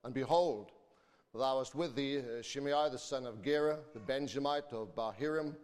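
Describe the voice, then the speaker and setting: Reading from scripture in a casual way, the man preaching here has a mid-range, slightly mellow voice and talks at normal speed. He's a school teacher as well, and the recording catches the long reverb of a large church or hall.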